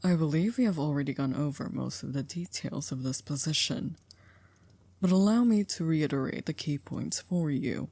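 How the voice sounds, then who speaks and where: A woman acts out an exacting chief maid of a grand estate for ASMR roleplay. The voice is low, dark and close with a dry, roomless sound. Each phrase is formal and measured, edged with dry reproach. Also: creaky, husky, dry recording, heavily acted.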